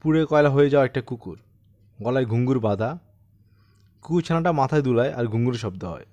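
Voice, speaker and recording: Male narrator as haunted man in his sixties, mid-pitched, earnest, insistent, audiobook storytelling. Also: lively intonation, quick pace, mellow, highs cut off, close to an everyday voice. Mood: agitated, insistent. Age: 60s. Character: troubled 67-year-old man recounting his eerie haunting.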